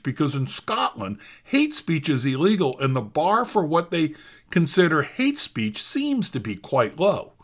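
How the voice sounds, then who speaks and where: A middle-aged man delivers scripted opinion commentary on the news. His voice sits a little high and swings widely in pitch. He reads quotes aloud and breaks them with dry, wry asides. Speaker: commentary host.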